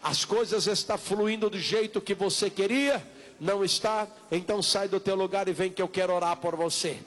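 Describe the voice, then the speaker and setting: Male Brazilian evangelical pastor, high-pitched voice, insistent and repetitive altar-call delivery with drawn-out words. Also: a bit bright. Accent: Brazilian Portuguese.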